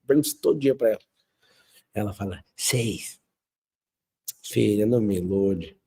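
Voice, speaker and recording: A man from Brazil giving an emphatic, faith-tinged motivational talk, acting out quotes and moving between loud and soft passages. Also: fairly low pitch, a little fast, creaky, husky. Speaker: speaker of a motivational talk show. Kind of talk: motivational talk with faith themes and family stories.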